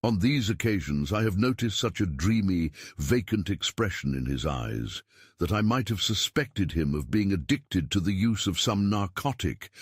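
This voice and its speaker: A man reading a literary story as narrator, in a measured, formal storytelling manner. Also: low-pitched, slightly rough, no echo, studio quality. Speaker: audiobook narrator.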